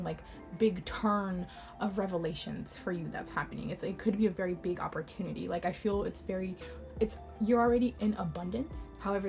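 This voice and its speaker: A woman's voice: on the low side, a little mellow. A woman doing a casual pick-a-card tarot reading, chatty and bubbly, laughing often and filling her talk with "like.".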